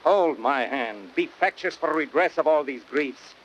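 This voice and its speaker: A man's voice: a little high, lively intonation, measured pace, a bit bright. A man playing a blunt, confident Roman conspirator and courtier in emphatic, declamatory Shakespearean style. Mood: resolute. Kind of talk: classic Shakespearean radio acting. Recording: noisy old audiodrama record.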